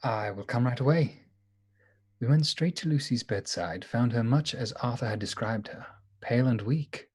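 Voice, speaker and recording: An actor as an earnest gentleman keeping a diary in a radio drama. The voice is husky and mid-pitched, formal in manner with an awkward edge. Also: lightly acted. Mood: flustered. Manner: formal, halting when flustered. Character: earnest, awkward gentleman diarist hiding his affection. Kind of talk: live radio play acting.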